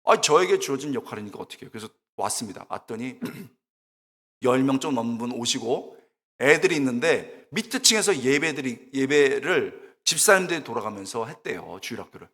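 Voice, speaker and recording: A middle-aged man preaching a sermon, telling funny stories in an animated, exclamatory way and acting out the people in them. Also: medium pitch, normal speed. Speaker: guest preacher, preaching professor. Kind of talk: sermon with humorous storytelling. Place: church sanctuary. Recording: long church reverb.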